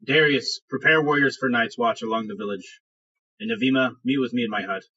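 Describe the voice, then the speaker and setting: A man's voice: medium pitch, brisk, pushed and bright, slightly rough, far from the mic, dull audio. A man voicing a stern, proud tribal chieftain and father in a tabletop game, speaking in curt commands. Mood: commanding.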